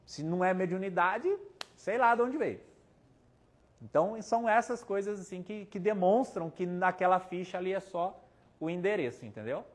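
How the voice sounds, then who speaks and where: Speaking at a normal speed in a high voice, a Brazilian man with a Brazilian Portuguese accent, a spiritist medium, delivers a casual talk full of anecdotes, quotes and jokes, taking audience questions too.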